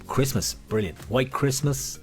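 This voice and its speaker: A man's voice: medium pitch, animated, unhurried, soft background music. An Irish man hosting as a bingo caller, mixing playful sing-song number calls with casual chat. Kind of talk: bingo calling mixed with casual banter.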